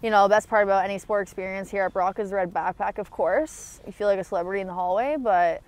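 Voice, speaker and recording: A woman's voice: mid-range voice, fast. A young adult woman from small-town Ontario with a Canadian accent, answering casually and slangily as an athlete being interviewed outdoors. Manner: informal, slangy. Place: outdoor sports field.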